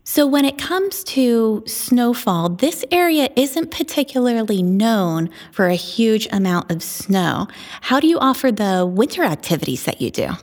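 A woman hosting an interview, asking prepared questions clearly. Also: on the high side, big pitch swings, a little slow, few pauses. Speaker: interview host. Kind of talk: scripted host questions.

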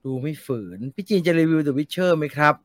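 A man's voice: a little high, steady tone, moderate pace, no echo, clean studio sound. A man co-hosting a casual live chat, reading out viewer questions and rambling on between them. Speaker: co-host reading viewer comments.

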